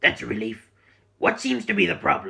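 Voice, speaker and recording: A man puts on a raspy character voice. His pitch sits in the medium range. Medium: read story. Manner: gruff, folksy.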